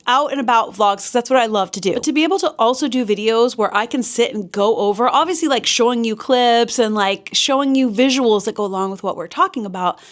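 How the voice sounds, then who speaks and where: Chatty, enthusiastic woman vlogger with a bright pitch. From Miami, United States. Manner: chatty and enthusiastic, with gushing asides. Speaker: theme park vlogger. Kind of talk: casual year-in-review narration. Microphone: sit-down home office recording.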